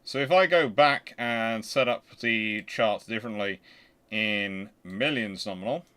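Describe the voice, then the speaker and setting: A man's voice: on the low side, sharp tone, smooth. Man thinking aloud as he explains. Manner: conversational, halting, muttering to himself while working. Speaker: history channel host.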